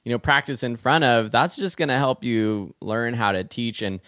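A man's voice: medium pitch, moderate pace, a bit bright, no echo. Upbeat male podcast host. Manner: upbeat, affirming. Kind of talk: casual interview chat and show outro.

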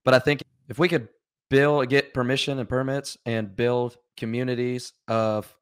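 A man who is a podcast guest, answering questions in a measured, thoughtful way, his voice slightly raspy from a cold. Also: mid-range voice, flat delivery, no room sound, clean studio sound. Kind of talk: casual interview.

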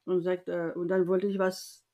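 A woman from France, interviewed, tells a personal story in a lively way, acting out the voices of the people she quotes and often restarting her sentences. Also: on the low side, moderate pace.

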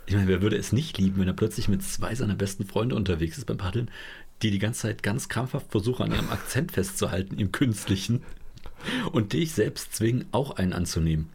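A man's voice: lowish voice, fairly quick, vocal fry, a little mellow, slight background noise. A man co-hosting a podcast in casual chat, playful and teasing. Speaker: podcast co-host.

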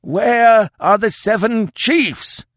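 A man's voice: sits high, very slow, fairly bright tone, no echo, clean studio sound, voice pushed up, full character voice. A man voicing a gaunt old tribal chief in a storybook, howling furious accusations. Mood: furious, accusing. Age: older.

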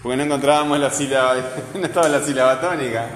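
A man teaching a class, slowly sounding out words syllable by syllable as he corrects the lesson. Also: mid-range voice, a little hiss or hum. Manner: slow, deliberate, drawn-out syllables when sounding out words. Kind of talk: correcting a grammar lesson with students. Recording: echoey classroom with long reverb.

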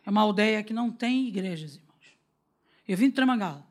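A Brazilian woman preaching a lively sermon, telling stories and acting out the dialogue with frequent laughter. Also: medium pitch, a little fast. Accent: Brazilian Portuguese. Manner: animated, acts out quoted dialogue, laughs often.

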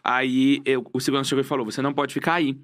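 A young Brazilian man talks at a quick clip, at a middle pitch. He tells his stories casually, slipping into the voices of the people he quotes. His Brazilian Portuguese accent is easy to hear. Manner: fast animated storyteller, acts out quotes. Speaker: guest. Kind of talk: casual chat.

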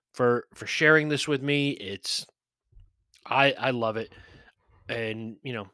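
A man's voice: medium pitch, pushed and bright, dry recording, clean studio sound. A man hosting a podcast, giving a blunt, chatty whiskey review with profane, mocking asides. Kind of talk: casual spoken review.

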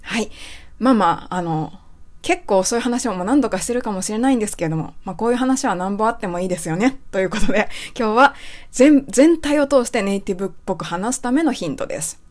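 A woman's voice: mid-range voice, lively intonation, fast talker. Chatty woman teaching pronunciation. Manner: chatty, with many fillers and soft rephrasings. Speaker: English pronunciation coach and podcast host. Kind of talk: casual spoken lesson, reading a listener's email.

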